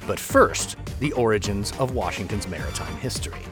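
A man's voice: fairly low pitch, lively intonation, moderate pace, over music. A man hosting a podcast, reading a history narration with chatty asides. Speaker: podcast host and author.

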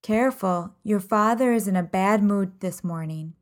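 A woman teaching a language lesson podcast, reading example sentences in measured, carefully enunciated phrases. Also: mid-range voice. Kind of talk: slow, clear podcast lesson.

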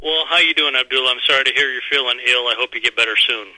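A man's voice: mid-range voice, pushed and bright, no echo, low-quality recording. Earnest man calling in on the radio. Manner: earnest, rambling, a little halting. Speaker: caller. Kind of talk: phone-in call to a radio show.

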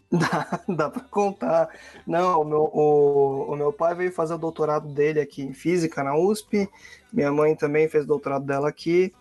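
A man from Cuba, a professor, giving relaxed, friendly answers in an interview, often restarting his phrases. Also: a little high, moderate pace, faint music behind. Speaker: guest, international relations professor.

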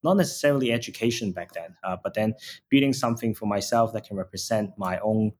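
Male founder in his thirties from Hong Kong, fairly low voice, halting with lots of fillers. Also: a little hiss or hum. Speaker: startup founder guest. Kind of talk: interview answers.

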